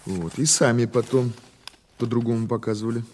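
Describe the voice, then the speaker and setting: An actor playing a patient, skeptical police investigator in an audio drama, questioning in a halting, conversational, insistent way. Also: male voice, mid-range voice, steady tone, a little mellow, natural voice. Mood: methodical, pressing. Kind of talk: naturalistic audio drama dialogue.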